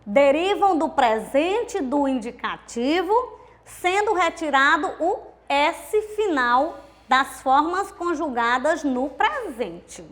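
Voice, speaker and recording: A woman teacher with a Brazilian accent giving a recorded grammar lesson, explaining slowly and asking rhetorical questions. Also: high voice, animated, a bit bright. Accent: Brazilian Portuguese. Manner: slow, deliberate explanation, counting syllables aloud; asks rhetorical questions to the class.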